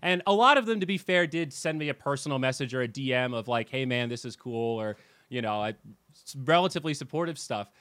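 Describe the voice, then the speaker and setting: A man hosting a podcast in casual chat, telling animated stories with swearing and restarts. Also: on the high side, fast talker, dry recording. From United States. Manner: animated storyteller who swears and restarts sentences. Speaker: podcast host and esports commentator.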